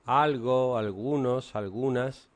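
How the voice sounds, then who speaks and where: A middle-aged man with a Spanish accent, teaching an English grammar lesson to a class in a joking, deliberate way. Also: medium pitch. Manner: joking, animated, slow and deliberate.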